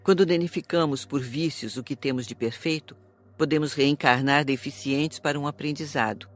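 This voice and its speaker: A woman playing a calm, serious spirit teacher in an audiobook, speaking in a measured, didactic way. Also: low voice, faint music behind, natural voice. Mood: reassuring. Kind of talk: audiobook dialogue.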